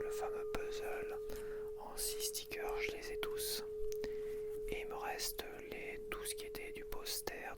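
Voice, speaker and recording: A man whispering gently throughout an ASMR video, chatting and slowly counting aloud as he sorts stickers. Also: very high voice. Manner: soft unvoiced whisper throughout. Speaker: ASMR creator. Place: home setup with softbox lighting.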